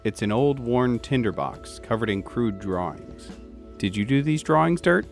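A man's voice: mid-range voice, big pitch swings, normal speed, gravelly, faint music behind. A man narrating a roleplayed audio drama as game master, in a dramatic storytelling style.

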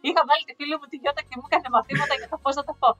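A woman co-hosting a casual podcast, chatting and telling animated stories, laughing often. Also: high voice. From Greece. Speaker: podcast co-host. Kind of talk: casual chat. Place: living in the United States. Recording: slightly dull lo-fi sound with faint music.

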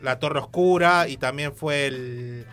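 A man's voice: mid-range voice, slow, a bit bright. A man co-hosting a podcast, chatting casually about news, rambling and stopping to search for words. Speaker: podcast co-host.

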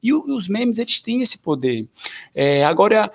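A man, chatting as a guest in an interview, lively and full of filler tags. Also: high voice, moderate pace. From southern Bahia, Brazil. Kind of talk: casual interview chat.

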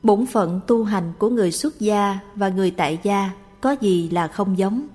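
Breathy woman reading Buddhist questions. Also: mid-range voice, moderate pace, warm tone. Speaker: reader of the questions. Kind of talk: read-aloud Buddhist Q&A. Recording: long reverb with faint background music.

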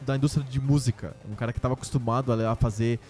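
A man from Brazil telling a story in a casual chat, animated and laughing often. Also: mid-range voice, fast talker, faint music behind.

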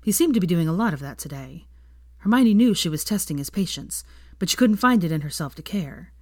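A woman reading a fan fiction story aloud, narrating and voicing the characters with small shifts in pitch. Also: animated, brisk, no echo, clean studio sound.

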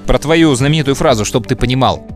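A man's voice: medium pitch, fast talker, over loud music. A male podcast co-host talking casually and teasing his partner. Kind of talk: casual chat.

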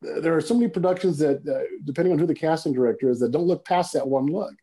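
A man's voice: on the high side, fast, dark tone. A man who works as an actor, talking as a guest in a casual chat and telling emphatic anecdotes.

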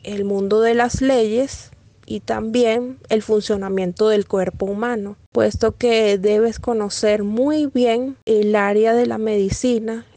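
A woman who works as a professional translator, speaking in a measured, earnest way about her work. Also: a little high, steady tone, warm tone, no echo. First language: Spanish. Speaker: professional legal and medical translator. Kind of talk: personal testimony, read.

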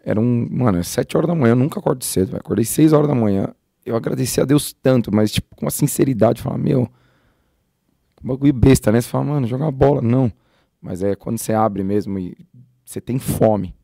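A man's voice: medium pitch, creaky, dark tone, no room sound, clean studio sound. A man giving a casual, slang-filled personal testimony as a podcast guest. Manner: fast slangy storytelling.

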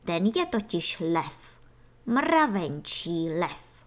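A woman's voice: lowish voice, sing-song. A woman doing a doting antlion father. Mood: sweetly confiding. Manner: cooing, fondly baby-talking. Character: doting father antlion, sweetly boastful insect.

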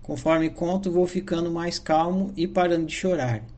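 Man, brazilian accent, slightly high voice, earnest reflective diary reading. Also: fairly even intonation, normal speed, a little mellow. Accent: Brazilian Portuguese. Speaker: diary narrator. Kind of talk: reading a personal diary aloud.

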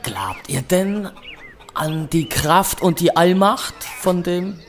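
A man's voice: high-pitched, big pitch swings, takes it slowly, a little hiss or hum, exaggerated voice. Guy playing a greedy rogue merchant in an old-times audio play, eager and sly, swoopy delivery, bit of ambience. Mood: sly, covetous. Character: greedy, roguish male traveling trader of twelfth-century legend. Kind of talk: historical audio drama dialogue.

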